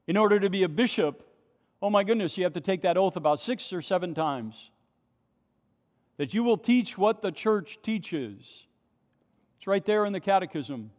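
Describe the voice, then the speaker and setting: A male pastor preaches an impassioned sermon at a pulpit microphone in a large, nearly empty church, posing rhetorical questions. His high voice is a little mellow, with lively intonation, normal speed, and frequent pauses. The church adds a long reverb.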